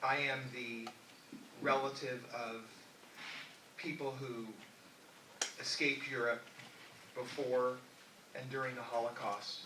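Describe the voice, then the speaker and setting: A man, a city councilman running for office, answering in a political debate in a halting, measured way. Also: medium pitch, flat delivery, noisy background. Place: debate hall. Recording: echoey hall from far off.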